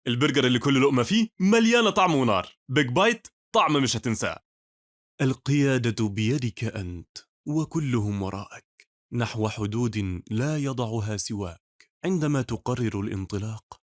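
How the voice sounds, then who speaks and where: A man's voice: medium pitch, no echo. A man with an Egyptian accent delivering scripted advertising voice-over as a commercial voice artist, recorded in a studio.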